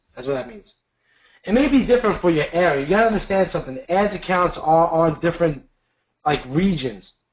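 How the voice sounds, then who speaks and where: A man with a high voice speaks very fast in an animated tone with lively intonation, his loudness swinging widely and his pauses long and frequent. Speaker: ads trainer. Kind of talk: live webinar training.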